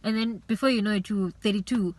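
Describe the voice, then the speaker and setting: A woman's voice: medium pitch, fairly quick, a little mellow. A woman giving an earnest, faith-based motivational talk as a vlogger, urging and repeating herself, with plenty of "you know".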